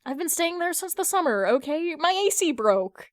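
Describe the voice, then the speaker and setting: A woman's voice: very high voice, sing-song, normal speed, no room sound, clean studio sound, pitched above the performer's own voice. A woman voicing a defensive, flustered forty-year-old man who protests and stammers in an audio fan fiction reading.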